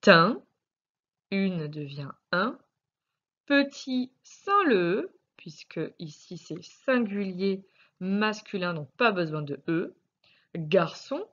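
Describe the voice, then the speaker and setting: Patient French-accented woman teacher, slow and careful, recorded lesson with dull, muffled sound. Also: lowish voice. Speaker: primary school teacher. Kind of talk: recorded spelling lesson correction.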